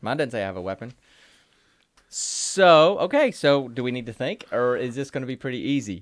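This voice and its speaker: In an American accent, a man talks at a fairly quick pace with lively intonation and a medium pitch, an ordinary speaking voice. The recording is very clean with a silent background. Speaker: podcast co-host and mental health professional. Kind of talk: casual chat. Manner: rambling, filler-heavy.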